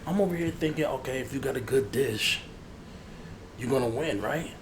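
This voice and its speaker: A man's voice: mid-range voice, close to an everyday voice. A man playing an irritated, money-minded hood barber in an ASMR role-play, chatting casually and grumbling as he repeats himself. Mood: chatty, confiding. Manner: grumbling, repeats phrases, drawn-out asides. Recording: clearly noisy background ambience.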